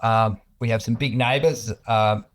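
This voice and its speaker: A man's voice: mid-range voice, steady tone, measured pace. A man with an Australian accent speaking as an executive guest in an informal business interview, explaining things in a hesitant, conversational way.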